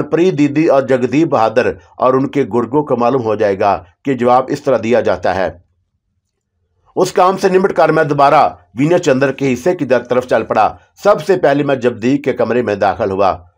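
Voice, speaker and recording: Guy reading a horror story in first person, steady and dramatic, average pitch. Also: normal speed.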